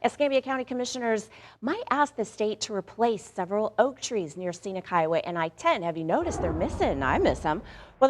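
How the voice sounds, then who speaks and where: A woman's voice: medium pitch, slight background noise. A woman anchoring morning news, mixing read stories with playful, casual banter aimed straight at listeners. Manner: conversational, playful, addresses listeners directly.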